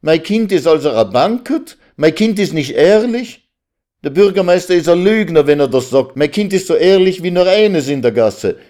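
A man voicing a distraught Jewish village mother who laments loudly over her child's honor. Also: expressive, normal speed, close to an everyday voice. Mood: wailing. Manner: lamenting, high and insistent.

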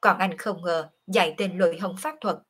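A woman voicing a calm young woman who confides in her lover, in an audiobook reading. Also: on the low side, moderate pace, slightly rough. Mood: confiding.

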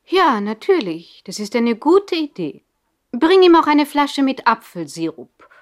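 A woman's voice: sits high, sing-song, a little slow. An actress playing a caring, practical noble mother in a German radio play from the 1960s. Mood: concerned, practical.

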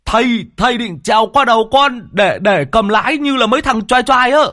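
A man's voice: very high voice, moderate pace, bright, forceful tone, voice pushed up. A man doing a panicky young scarred rascal. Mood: protesting. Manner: panicky, exclaiming.

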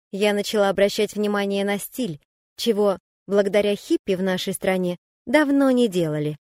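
A woman narrates an audiobook memoir in the first person, calm and reflective. Her voice sits at an ordinary middle pitch. The recording is dry and close, with no room sound. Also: no room sound. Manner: calm, even, reflective reading.

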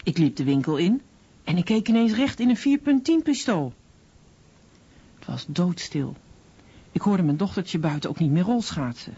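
An actress voicing a shopkeeper mother recalling an armed robbery, with a husky voice, in a radio documentary. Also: on the low side, lively intonation, normal speed, long pauses, dark tone. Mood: tense recollection. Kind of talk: Dutch voice-over translation in a radio documentary. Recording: dull, muffled lo-fi audio.

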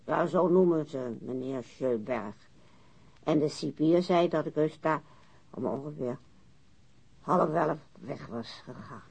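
Casting: boozy, refined widow, slow and prickly, with a gravelly, raspy female voice, for a muffled radio play. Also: low voice, darkish tone, exaggerated voice. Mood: rambling. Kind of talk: radio drama acting.

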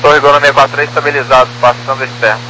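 A man's voice: medium pitch, level tone, rapid-fire, sharp tone. A man with a Brazilian accent, an airline pilot talking over aviation radio in clipped, matter-of-fact radio phraseology. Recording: noisy radio transmission with hum.

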